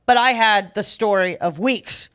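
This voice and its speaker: A woman co-hosting a comedy podcast, her voice a little raspy from losing it, rambling through stories and laughing often. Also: medium pitch, a little slow, a bit bright. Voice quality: slightly raspy from a lost voice. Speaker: podcast co-host. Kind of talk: casual comedy chat.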